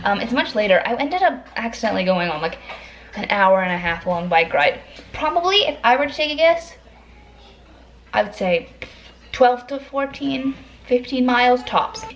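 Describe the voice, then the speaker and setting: A young woman vlogs casually to camera from inside her family home, chatty and self-deprecating with a dry, sarcastic streak. Her higher voice is expressive at a moderate pace. The audio is poor, with noticeable background noise.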